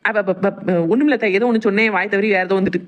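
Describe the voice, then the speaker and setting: A woman's voice: mid-range voice, fairly even intonation, highs cut off, lightly acted. A woman voicing a chatty, teasing young village daughter-in-law in a cartoon, coaxing her elders in Tirunelveli Tamil dialect. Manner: rapid, chatty, cajoling dialect speech. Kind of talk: cartoon family comedy dialogue.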